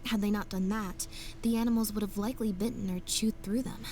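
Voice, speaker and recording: Woman voicing a calm game detective. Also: medium pitch, crowd noise, natural voice. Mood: explaining. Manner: measured, explanatory. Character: sharp young woman detective laying out deductions. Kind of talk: game voice acting.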